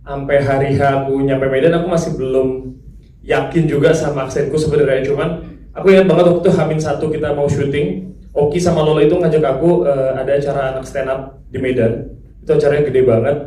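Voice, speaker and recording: Male actor, chatty and laughing, mellow tone, echoey hall recording. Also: mid-range voice, steady tone, fast, a little hiss or hum. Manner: chatty, laughing, mimics others' speech. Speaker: actor at a press conference. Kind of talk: casual press-conference remarks. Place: large event hall. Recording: echoey hall, mic far off.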